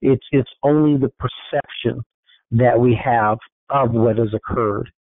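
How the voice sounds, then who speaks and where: A man's voice: medium pitch, steady tone, unhurried, dry recording. Man speaking over a tinny phone line. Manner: rambling and informal, with many fillers and restarts. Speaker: motivational speaker on a group call. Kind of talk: casual motivational talk. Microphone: conference call line. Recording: thin, phone-like call audio.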